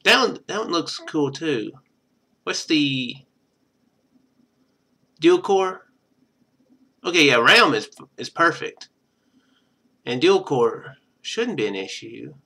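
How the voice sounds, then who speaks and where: A man's voice: a little high, very animated, slow, vocal fry, pauses often, bright, forceful tone, breathy edge. A man streaming a game, reading its narration aloud and breaking off into rambling, chatty casual commentary. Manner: rambling, chatty asides between read passages.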